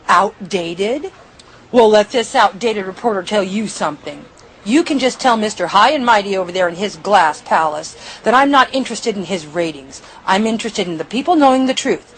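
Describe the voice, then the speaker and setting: A woman playing an indignant, defiant reporter with a husky voice and an emphatic, combative delivery in an audio drama. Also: on the high side, poor audio. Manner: emphatic, combative, rhetorical questioning. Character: indignant, defiant female news reporter fighting for the truth.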